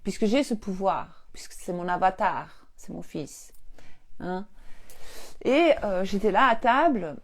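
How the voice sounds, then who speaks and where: Her voice is mid-range and measured as this coach casually recounts a family tale to her live-stream audience. She stays animated throughout, laughing frequently and playing out the conversations.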